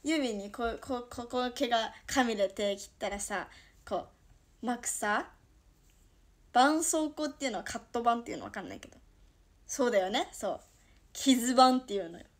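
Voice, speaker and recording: A young woman from Toyama with a Toyama dialect, chatting casually on her livestream and reacting to viewer comments, dropping to soft murmurs and then bursting out brightly. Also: on the high side, animated, normal speed. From Toyama, Japan. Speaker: idol livestream host.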